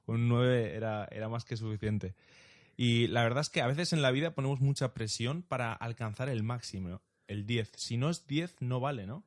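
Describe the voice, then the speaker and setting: A young man hosting a Christian talk show, welcoming listeners and explaining ideas in a casual, lively chat. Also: medium pitch. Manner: lively, brisk and explanatory, often tags questions.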